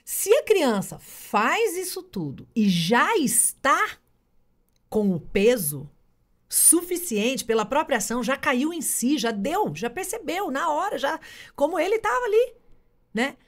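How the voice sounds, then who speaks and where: A woman's voice: sits high, very animated, unhurried. A woman co-hosting a podcast, explaining parenting ideas in a reflective, casual way, often tagging her sentences with "né?". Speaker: podcast co-host, parenting educator.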